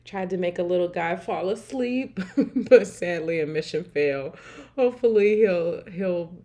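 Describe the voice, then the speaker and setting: A woman hosts a casual livestream and talks into her computer mic. Her voice sits a little low, and she chats warmly, laughs often and reads out viewer comments as she goes. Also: animated, unhurried. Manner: warm, chatty, laughs often, repeats "I love it". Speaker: livestream host.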